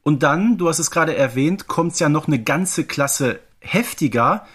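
A man's voice: a little high, animated, unhurried, fairly bright tone, breathy edge. A man from the Ruhr region with a German accent, hosting a podcast in a colloquial, conversational way. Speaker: podcast host.

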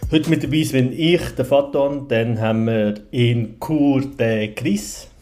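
A man with a Swiss German accent hosts a relaxed podcast chat. His voice sits at a middling pitch, and he talks in a jokey, colloquial way. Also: slow pace, faint music behind. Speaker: podcast host. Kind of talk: casual film chat.

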